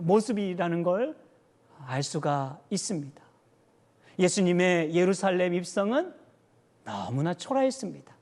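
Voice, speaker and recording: A male pastor giving an earnest sermon, slowing down to stress scripture quotes, with frequent "uh" fillers. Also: sits high, darkish tone. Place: church sanctuary. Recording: long reverb of a church hall.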